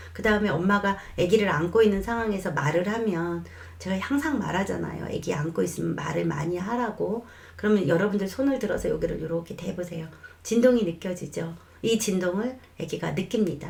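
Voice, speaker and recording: A woman who is a child development expert, calmly explaining parenting advice in a lesson and sometimes acting out what a mother might say. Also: on the low side, creaky. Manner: calm, reassuring explanation with acted quotes of mothers.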